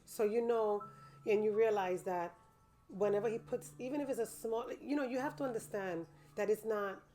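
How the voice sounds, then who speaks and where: A woman with a low-toned voice, a gospel singer being interviewed, speaking thoughtfully with many pauses and restarts. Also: mellow, faint music behind, rough recording. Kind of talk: casual interview talk. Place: day spa.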